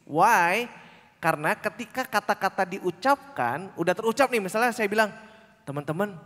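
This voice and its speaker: A man leads a public speaking workshop, talking to a young crowd with a playful, teasing energy. His voice sits high for a man, and he drops into short acted-out bits of dialogue. The sound carries a long hall reverb. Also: normal speed. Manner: lively, teasing, acts out little quoted lines. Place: large conference hall.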